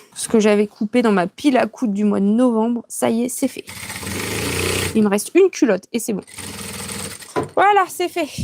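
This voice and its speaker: Noticeable background noise surrounds a woman with a fairly high pitch. She talks at a moderate pace with lively intonation and long, frequent pauses. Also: dry, close sound with no echo. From rural France. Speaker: sewing content creator. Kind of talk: live sewing tutorial; casual chat. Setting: livestream. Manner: casual, chatty.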